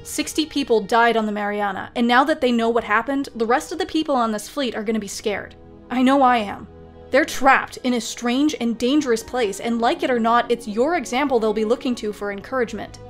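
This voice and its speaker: A woman's voice: a little high, fairly quick, faint music behind, lightly acted. A woman acting a serious, cautious naval starship skipper in a sci-fi audio drama, formal and commanding in manner. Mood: grave, urging.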